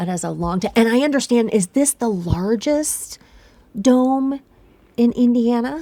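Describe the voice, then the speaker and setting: Soft-spoken and at a fairly slow pace, a woman talks in a fairly high voice with ordinary pitch variation. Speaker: radio host. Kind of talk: interview. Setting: planetarium dome.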